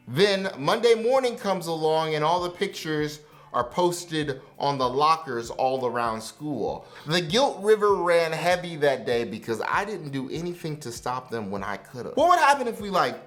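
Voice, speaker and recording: A man's voice: fairly high pitch, fairly bright tone. A man giving a casual, joking youth sermon in a conversational, slangy way. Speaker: youth pastor.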